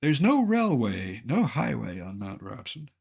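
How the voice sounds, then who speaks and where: A man in his seventies from Colorado, a naturalist giving an illustrated lecture with dry, wry humor and a measured delivery. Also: mid-range voice, huge pitch swings, creaky, a little mellow, breathy edge. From Colorado, United States. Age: 70s.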